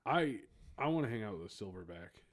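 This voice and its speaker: A man's voice: on the low side, big pitch swings, fairly quick. A laid-back, joking man co-hosting a casual podcast from a home studio, swearing freely. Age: adult with a child. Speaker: podcast co-host and editor. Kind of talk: casual chat.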